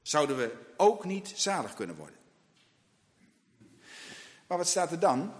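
Man, preacher, sermon, fairly high voice, slow emphatic delivery, long church reverb. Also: big pitch swings.

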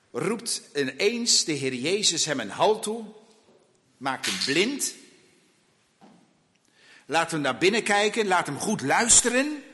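A man preaching a sermon slowly and emphatically, asking rhetorical questions of his listeners. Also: on the high side, sharp tone, big-room sound.

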